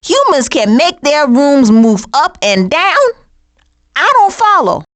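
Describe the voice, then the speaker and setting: High, sassy American cartoon skunk. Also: female voice, sing-song, slow, a bit bright, full character voice. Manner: sarcastic, slangy, punchy one-liners. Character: sassy, wisecracking, streetwise female cartoon skunk. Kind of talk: video game character voice lines.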